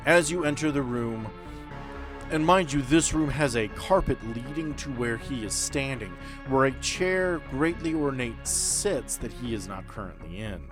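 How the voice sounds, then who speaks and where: A man acting as game master, narrating a tabletop role-playing game in a deliberate, descriptive way with pauses mid-sentence. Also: mid-range voice, lively intonation. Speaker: game master and host of an actual-play podcast. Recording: background music under the voice.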